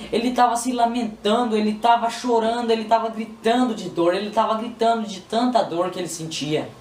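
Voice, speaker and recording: A man's voice: high-pitched, a little fast, darkish tone. Brazilian man giving an emotional testimony. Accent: Brazilian Portuguese. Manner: repetitive, pleading, emotional retelling. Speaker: person giving a religious testimony. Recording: roomy, distant mic, faint noise.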